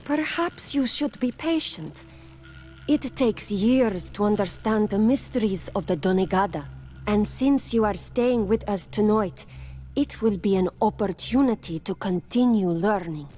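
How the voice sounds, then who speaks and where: Mellow, serene tribal woman played by an actress. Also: mid-range voice, measured pace, faint music behind, close to an everyday voice.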